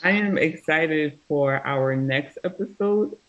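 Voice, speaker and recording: A woman's voice: low voice, slow, dull audio. American woman hosting a chat podcast. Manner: reflective, conversational, with fillers. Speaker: podcast host. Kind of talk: casual interview chat.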